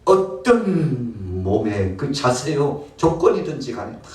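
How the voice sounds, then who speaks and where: A man's voice: mid-range voice, big pitch swings, slow pace, a little mellow. A man preaching a sermon as pastor, telling the story dramatically and acting out the scenes. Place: church. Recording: roomy church hall, mic far off.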